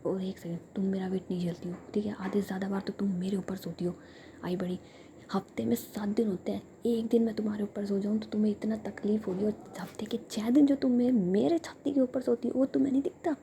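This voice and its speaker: A woman voicing a sulky, playful and clingy young woman in a soft whisper, as part of a whispered story. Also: medium pitch, fairly even intonation, a little fast, a little hiss or hum, close to an everyday voice. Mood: indignant.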